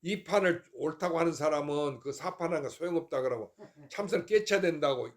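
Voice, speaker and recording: An older male monk with a somewhat high voice delivers an informal temple sermon. He keeps it folksy and rhetorical, checking again and again that his listeners have understood. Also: brisk. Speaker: Buddhist monk giving a Dharma talk.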